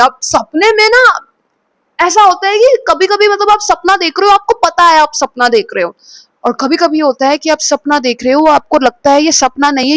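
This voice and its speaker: High-voiced woman telling a dream story. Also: no echo. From Kolkata, India. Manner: dramatic, expressive retelling of a dream; mixes in English phrases. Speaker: vlogger. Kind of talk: storytelling vlog.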